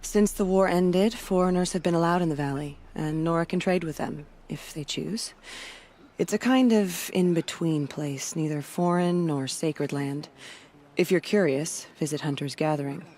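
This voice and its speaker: A woman's voice: low voice, moderate pace, a little mellow. A woman playing a stern, weary, proud tribal war leader in a video game cutscene. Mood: grave, resolute.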